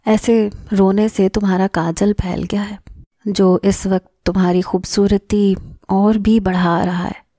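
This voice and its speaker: A cocky young mechanic husband with a mocking edge, read by a woman narrator. The voice sits dark and mellow, recorded dry and close with no room sound, in the manner of a scripted audio story. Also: a little high, no room sound, natural voice. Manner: mocking, laughing tone at times.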